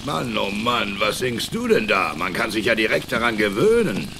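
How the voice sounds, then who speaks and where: An actor playing a long-suffering, plaintive, grumbling cartoon animal crew mate. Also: male voice, on the low side, very animated, normal speed, vocal fry, slight background noise, full character voice. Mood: grudging admiration. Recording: loud music underneath.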